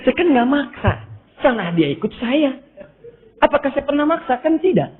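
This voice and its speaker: A man's voice: extremely high pitch, sing-song, normal speed, voice pushed up. A man preaching voices a sly devil who smugly excuses himself. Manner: smug, excusing tone. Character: sly male devil, shrugging off blame. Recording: tinny echoey hall recording.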